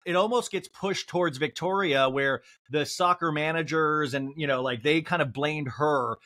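Male podcast host, 40s, slightly high voice, animated and jokey, video call from home. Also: moderate pace. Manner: animated, jokes, mimics celebrities in a high voice. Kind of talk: casual pop culture chat. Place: home room. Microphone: video call with earbuds.

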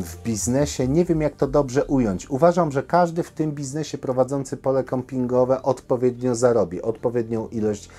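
A man hosting an informal news commentary, speaking directly to viewers in halting, opinionated phrases with pauses. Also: medium pitch, mellow. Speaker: host of a camping news show.

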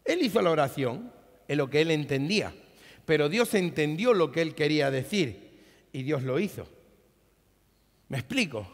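A male pastor preaching a sermon in a church, animated and dramatic, acting out scenes as he speaks. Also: on the high side, moderate pace, pauses often. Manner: animated preaching, acts out biblical dialogue. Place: church hall. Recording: long reverb of a large hall.

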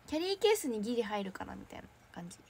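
Young female idol, slightly high voice, bubbly and giggly, casual livestream chat. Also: very animated, rapid-fire, darkish tone, husky. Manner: bubbly, chatty, frequent giggles. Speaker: idol trainee hosting a fan livestream. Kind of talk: casual livestream chat reading viewer comments.

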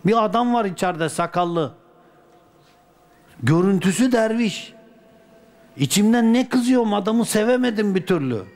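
Man, dervish storyteller, casual spoken anecdote, colloquial, folk sayings, slightly high pitch. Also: expressive, moderate pace, long pauses, a little mellow. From Turkey.

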